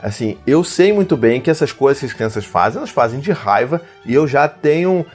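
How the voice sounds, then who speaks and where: A man's voice: medium pitch, animated, a little fast, a little mellow, breathy edge, faint music behind. A man in his thirties with a Brazilian Portuguese accent tells a parenting story to camera. He rambles and fills his sentences with "sabe" and "né". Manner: rambling, full of fillers like "sabe" and "né". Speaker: parenting vlogger, father of two.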